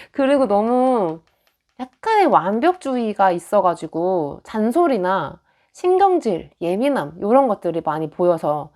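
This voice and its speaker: A young woman gives a casual tarot reading, chatting along as she lays out the cards. Her pitch is lively and moves a lot, and she slips into little acted-out lines of what other people might say. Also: slow pace. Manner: chatty, acts out quoted lines. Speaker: tarot reader.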